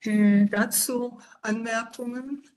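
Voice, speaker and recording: A woman reading an essay aloud slowly and gravely, then leading a seminar discussion over a video call. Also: a little high, fairly even intonation, darkish tone, low-quality recording. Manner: slow, grave and deliberate reading. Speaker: seminar leader.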